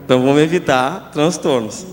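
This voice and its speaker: High-voiced joking pastor. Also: male voice, fairly quick. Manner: chatty and joking, many tag questions. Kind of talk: sermon at a youth congress. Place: church congress hall. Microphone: handheld microphone. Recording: reverberant hall with background music.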